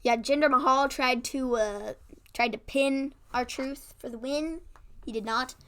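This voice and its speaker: A woman with a high, bright, forceful voice co-hosts a casual wrestling recap. She is chatty, laughs easily and often acts out little quotes as she talks. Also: measured pace, slight background noise. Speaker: podcast co-host.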